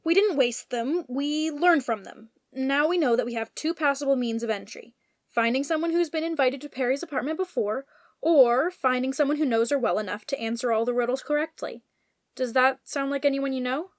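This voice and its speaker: A woman's voice: high voice, brisk, no echo, clean studio sound, natural voice. A woman playing a resolute, optimistic lady knight who leads a quest with reassurance, in an audio drama. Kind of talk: scripted audio fiction acting.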